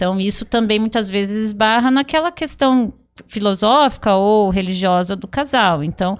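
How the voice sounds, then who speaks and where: A woman's voice sits fairly high in pitch and shows ordinary pitch variation. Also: moderate pace. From Paraná, Brazil (Londrina); Paraná, Brazil. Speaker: gynecologist, fertility doctor; guest. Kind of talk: podcast interview, explaining medical topic. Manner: hesitant with many fillers and repetitions. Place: studio. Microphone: studio mic.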